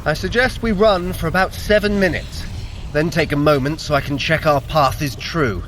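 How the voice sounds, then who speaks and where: A man's voice: fairly high pitch, normal speed, a bit bright, a little hiss or hum, close to an everyday voice. A man playing a clever, wry trickster god with theatrical, formal, old-fashioned phrasing in an audio adventure. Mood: measured, decisive.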